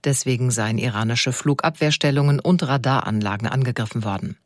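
A man reading a radio news bulletin in a measured, formal way. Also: mid-range voice, no room sound, studio quality. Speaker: newsreader.

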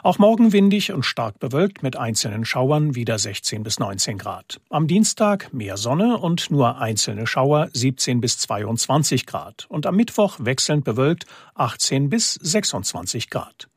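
A male radio newsreader delivers the news and weather in a measured, formal way. His voice has a slightly husky edge and a lively pitch, and it sits dry and close to the mic. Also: dry recording.

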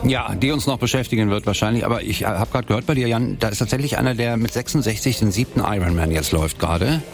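A man's voice: lowish voice, fast, over music. A man presenting a live radio show, chatting and joking with a colleague reporting from the field.

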